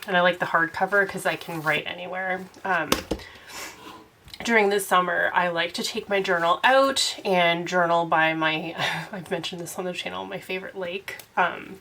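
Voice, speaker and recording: A woman's voice: lowish voice, sharp tone, a little hiss or hum. Congested woman chatting to her channel. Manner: chatty, rambling, laughs often. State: congested from a cold. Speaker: tarot channel host. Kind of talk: casual chat to camera.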